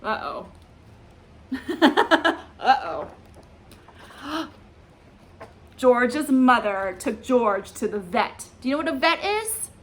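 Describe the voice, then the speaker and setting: Young woman, children's storytime reader, cheerful sing-song questions, high voice, slow pace. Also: big pitch swings. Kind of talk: reading a picture book to children.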